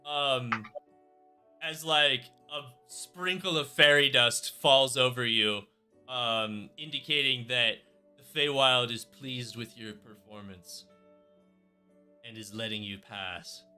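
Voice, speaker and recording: A man's voice: medium pitch, slow, pushed and bright, clean tone, soft background music. A man narrating as dungeon master of a tabletop game, rambling and hesitant with many fillers.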